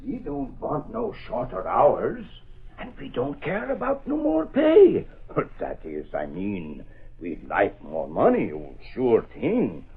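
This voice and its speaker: An actor playing a plain-spoken striking street laborer in a 1930s radio drama, with halting, folksy working-class speech, on a tinny old broadcast. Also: male voice, on the low side, wildly swooping pitch, slightly rough, full character voice. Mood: earnest.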